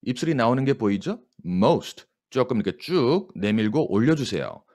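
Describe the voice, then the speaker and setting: A Korean man teaching English by reading news sentences aloud, dwelling slowly on each phrase before explaining it briskly. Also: mid-range voice, very animated, a little mellow. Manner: coaching, asks listeners to repeat after him.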